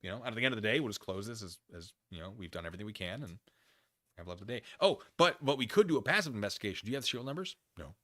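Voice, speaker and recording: A man hosting a live stream, reading documents aloud and commenting casually with conversational, animated asides. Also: on the low side, rapid-fire. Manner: conversational, animated asides, acts out imagined dialogue.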